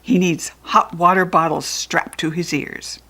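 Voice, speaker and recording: A woman voicing a small male goblin who scoffs loudly at the others. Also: lowish voice, fairly even intonation, unhurried, breathy edge, exaggerated voice. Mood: scoffing. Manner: scoffing, loud.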